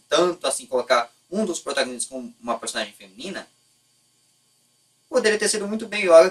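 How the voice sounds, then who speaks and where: A man's voice: fairly high pitch, a bit bright, recorded from a distance, rough recording. A man with a Brazilian Portuguese accent giving casual, unscripted opinions in a blunt, colloquial way, often stopping to rephrase himself. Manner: blunt, colloquial, lightly profane. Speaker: YouTube host.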